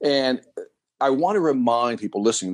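Speaking in a Chicago accent, a man keeps a medium pitch. His pace is moderate and his intonation lively. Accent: Chicago American. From US Midwest, Chicago. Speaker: sales trainer and keynote speaker. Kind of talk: interview. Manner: loose, casual.

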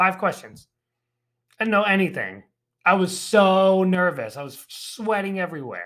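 A high-pitched man's voice with an animated, upbeat tone, ordinary pitch variation, big swings in loudness and long, frequent pauses. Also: moderate pace. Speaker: sales coach and podcast host. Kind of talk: sales pep talk, motivational coaching monologue. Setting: home recording, dog noises in background. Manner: animated, high-energy, upbeat.

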